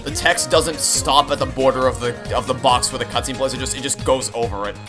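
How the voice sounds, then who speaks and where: Over a video game song, a man streams and hosts a playthrough, chatting to viewers in a loose, rambling way and often repeating or restarting his phrases. His voice is mid-range and fairly even, and he talks briskly.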